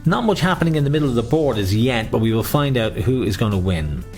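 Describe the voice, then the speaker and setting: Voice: medium pitch, lively intonation, quick pace, darkish tone, soft background music. A bingo caller with an Irish accent, chatting between numbers and repeating each one with its rhyming nickname.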